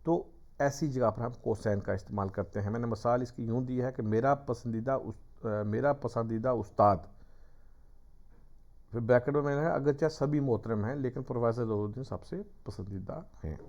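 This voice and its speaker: In a dull, lo-fi recording, a man teaching a class works through his lecture patiently, one step at a time, using examples. His voice is mid-range with a darkish tone.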